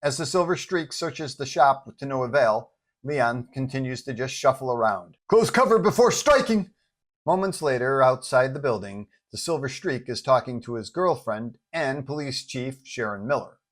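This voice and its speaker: A man's voice: mid-range voice, moderate pace. A man giving scripted, dramatic narration of an action story as its storyteller.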